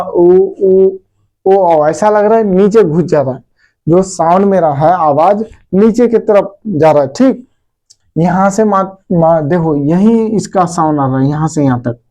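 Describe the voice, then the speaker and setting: A man with a high-pitched but dark, mellow tone teaches a grammar lesson to children. He keeps asking the class questions and answering them himself, and he draws out vowel sounds slowly to show how each one is made. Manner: talks to students directly, asks and answers his own questions; says sounds aloud slowly to demonstrate them.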